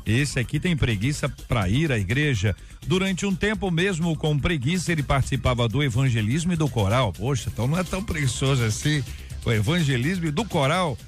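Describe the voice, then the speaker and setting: Male radio debate host, music underneath. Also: fairly high pitch. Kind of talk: lively radio presenting, chatting with listeners.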